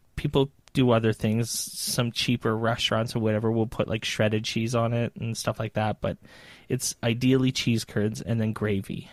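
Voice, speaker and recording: A normal speaking voice on a very clean recording with a silent background. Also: man, medium pitch for a man, fairly even intonation, moderate pace, dry, close sound with no echo. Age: 30s. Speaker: podcast co-host. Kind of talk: casual chat.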